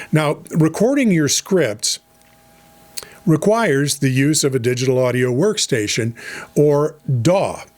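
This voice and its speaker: A middle-aged man giving a relaxed, conversational lesson as a voice over coach, with fillers and asides. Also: medium pitch. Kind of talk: casual instructional talk.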